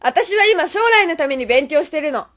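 A young woman playing an earnest, stressed high-school senior girl in an amateur radio drama. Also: expressive, normal speed, fairly bright tone. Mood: irritated. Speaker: student radio drama actor.

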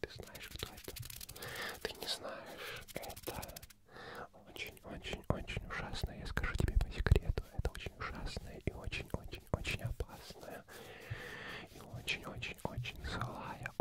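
A young man playing a sly, playful Cheshire Cat in a whispered role-play, murmuring repetitively in a breathy, barely audible whisper close to the mic. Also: unhurried, lightly acted. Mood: secretive, teasing. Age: young adult. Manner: repetitive, hushed, half-intelligible murmuring. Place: small foam-padded indoor studio. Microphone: close ASMR microphone.

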